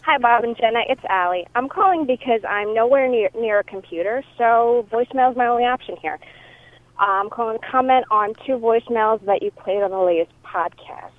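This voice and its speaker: A woman's voice: a little high, fairly quick, no room sound. A woman caller leaving a casual, chatty voicemail message for a podcast, heard through a phone line. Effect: voicemail message over a phone line.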